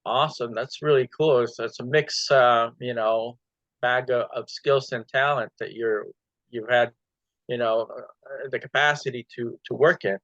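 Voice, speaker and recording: A man's voice: mid-range voice, steady tone, unhurried, a bit bright, no room sound. A man hosting a podcast, asking questions in a chatty way and filling his speech with "you know". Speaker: podcast host. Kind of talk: podcast interview. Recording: dry, dull lo-fi sound.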